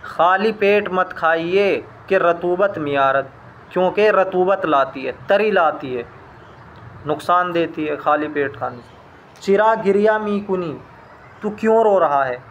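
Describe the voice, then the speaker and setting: A high-voiced male language teacher works through a recorded lesson, reading each phrase and then repeating it while slowly explaining every word. His tone is fairly bright, the high frequencies are cut off, and a faint room hum runs underneath.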